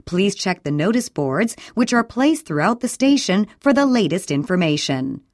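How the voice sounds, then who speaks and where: A woman reading a scripted train station announcement in a measured, formal way with careful enunciation. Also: mid-range voice, big pitch swings, darkish tone, dry recording, clean studio sound. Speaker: recorded station announcer for listening practice.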